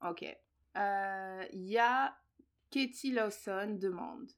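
A woman's voice: medium pitch, drawn-out words. A native French-speaking woman co-hosting a podcast in a casual, chatty way, reading out and answering listener questions. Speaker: podcast co-host.

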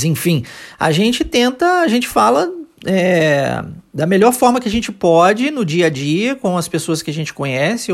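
A Brazilian language teacher hosts an informal audio lesson at a middling pitch. The delivery is conversational and emphatic, explaining things plainly and often checking in with short tag questions. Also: husky. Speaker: English teacher and podcast host.

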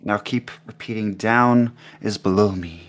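Man playing a calm chanting monk. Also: on the low side, close to an everyday voice. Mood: soothing. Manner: slow, soothing chant-like repetition. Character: calm male monk leading a meditation.

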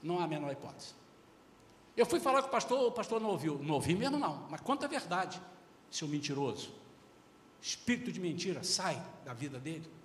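A man preaching a sermon as pastor, emphatic and animated. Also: on the high side, brisk, a little hiss or hum. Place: church. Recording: echoey church hall.

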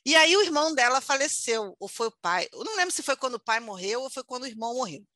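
A woman's voice: sits high, sing-song, quick pace, bright, forceful tone, no echo, studio quality. A woman co-hosting a podcast, chatting and telling a rambling story with frequent laughter. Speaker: podcast co-host. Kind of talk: casual comedic chat.

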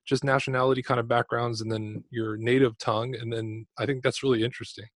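A man's voice: mid-range voice, flat delivery, fast talker, no room sound, clean studio sound. A man hosting a podcast, talking in an upbeat, chatty, conversational way. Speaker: podcast host. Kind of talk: casual interview.

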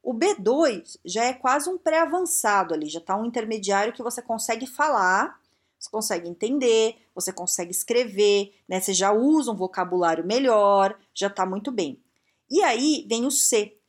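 Blunt, lively Brazilian woman giving advice. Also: medium pitch, moderate pace. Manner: blunt, frank and emphatic, with many rhetorical questions. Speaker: career and English-learning advice speaker. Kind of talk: casual direct-to-viewer advice talk.

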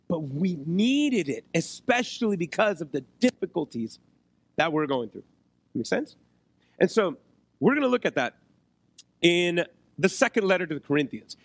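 Male preacher, high-set hoarse voice, conversational sermon delivery with rhetorical check-ins, dry close-mic sound. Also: no room sound. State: hoarse, losing his voice, occasional cough. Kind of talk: sermon to a congregation. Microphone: close microphone on a PA.

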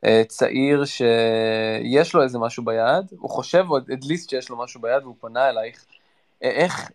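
Israeli man, halting casual interviewer. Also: mid-range voice. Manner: informal, halting as he builds questions. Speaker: interviewer, host.

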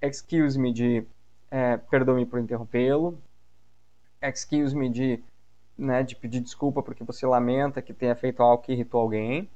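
Um homem, professor de inglês e apresentador de podcast, explica expressões com entusiasmo e interpreta os exemplos mudando o tom. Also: male voice, mid-range voice, moderate pace, highs cut off. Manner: lively, acts out example phrases with shifts in tone. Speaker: English teacher, podcast host. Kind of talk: explaining English phrases in a podcast lesson.

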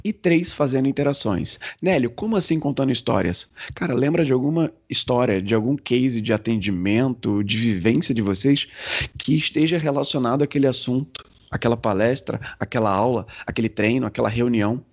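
A man with a rough, grainy voice speaks as a guest on a podcast, teaching how to communicate clearly. His breathy edge comes through as he explains deliberately and shows how his own voice changes. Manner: deliberate, demonstrates pitch and pace changes while teaching.

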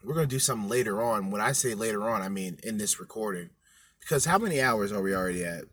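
A man's voice: on the low side, lively intonation, fast talker, a bit bright, no room sound. A man co-hosting a podcast, ranting bluntly with heavy swearing. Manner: profane, blunt, emphatic. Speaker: podcast co-host. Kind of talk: crude ranting commentary.

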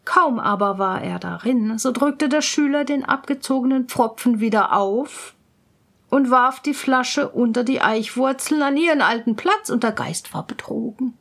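A woman reading a fairy tale aloud in a slow, calm, even storytelling manner. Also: on the high side, gravelly.

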